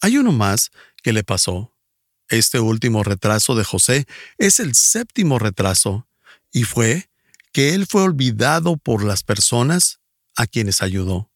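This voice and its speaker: Animated male preacher, dry close sound. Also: medium pitch, dry recording. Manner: emphatic, voice rising on exclamations. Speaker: pastor. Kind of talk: sermon.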